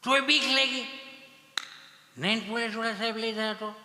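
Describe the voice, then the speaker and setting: A man's voice: extremely high pitch, fairly even intonation, normal speed, bright, forceful tone. A man telling a sheepish comic anecdote on stage. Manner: sheepish, laughs through his story. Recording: echoey hall, live stage PA.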